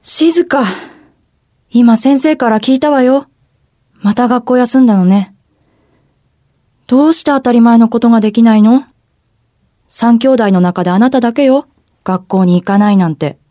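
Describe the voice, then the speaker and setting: A woman's voice: fairly high pitch, moderate pace, long pauses, dark tone, dry recording, studio quality, lightly acted. An actress playing a middle-aged mother who presses her daughter with reproachful questions in a radio drama.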